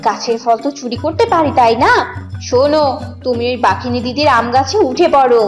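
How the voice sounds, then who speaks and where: A woman's voice: high voice, normal speed, reverberant, soft background music, natural voice. A woman voicing a bossy, scolding fox wife and scheming thief in a cartoon, with a nagging, commanding manner. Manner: nagging, commanding, sharp-tongued. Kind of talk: cartoon character dialogue.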